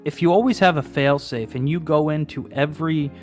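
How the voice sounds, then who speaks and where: A man's voice: fairly high pitch, fairly quick, darkish tone. Guy in his late 30s chatting over drinks, keeps restarting his sentences, faint music behind. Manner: rambling, restarts and repeats words. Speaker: host. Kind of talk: casual chat over drinks.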